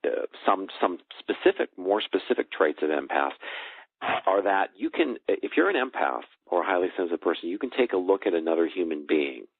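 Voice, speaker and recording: A man in middle age with a low-pitched voice talks as an interview guest. He searches for words and doubles back on phrases to stress them. The sound is a thin telephone connection with no room around it. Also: expressive, brisk, husky, no room sound. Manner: hesitant, searching for words, repeats phrases for emphasis. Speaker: guest, personal growth coach and author. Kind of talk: conversational interview on a call. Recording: dry, band-limited phone call.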